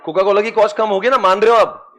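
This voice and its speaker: Fast and high-pitched, a man leads a lively commerce class, chanting memory tricks for students to repeat back. He teases them along, addressing them as beta and friends.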